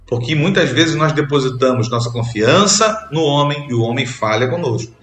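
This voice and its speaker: A man from Brazil preaching a sermon as a bishop, earnest, repeating phrases for emphasis and pausing between them. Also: medium pitch, lively intonation, a bit bright, echoey room.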